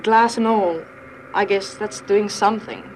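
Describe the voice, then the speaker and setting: A woman's voice: medium pitch, measured pace, slight background noise, natural voice, poor audio. A woman playing a blunt, flirty showgirl.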